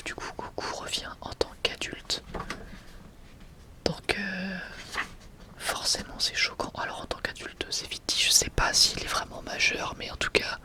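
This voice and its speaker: An ASMR creator whispering breathily and close to the mic in a casual, rambling, enthusiastic way, often correcting themselves. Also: medium pitch.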